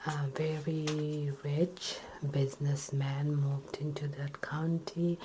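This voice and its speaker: A woman telling a story in ASMR style, in a breathy whisper, halting between short phrases. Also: sits low, warm tone, a little hiss or hum, rough recording.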